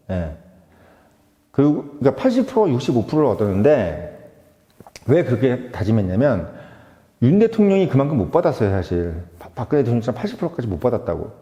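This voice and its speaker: A man talks through political commentary in a casual monologue, driving his points home with rhetorical questions and shifting between polite and blunt speech. His pitch swings widely, and his tone is mellow. The recording sounds dull and roomy, with a long reverb tail.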